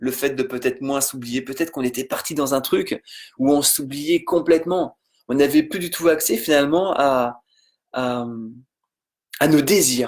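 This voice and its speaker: A man speaks at a fairly high pitch with fairly even intonation, at a fairly slow pace with long, frequent pauses. The recording is very clean, with a silent background. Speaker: life coach. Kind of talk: live stream Q&A and motivational talk. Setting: live video stream from home during lockdown.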